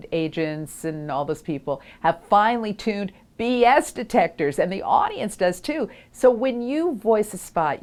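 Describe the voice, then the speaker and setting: A woman with a slightly low voice coaches the listener in an instructional talk. Her intonation is very lively, moving widely up and down, and she enunciates carefully, stressing key phrases. She is speaking outdoors. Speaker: host and voice-over coach. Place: outdoors on a windy day.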